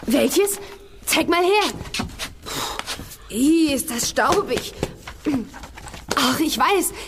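A woman playing a curious, chatty young witch girl in a children's audio drama, with expressive reactions. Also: sits high, drawn-out words, creaky, noisy background, full character voice. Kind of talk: children's radio play acting.

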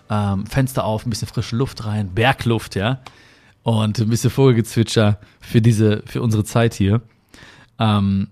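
A man with a fairly low voice talks straight to his listener, telling a personal story. He is reflective and hesitant, circling back with fillers and restarts as he looks for his words. He records from a room with the window open in the mountains. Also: a little mellow.

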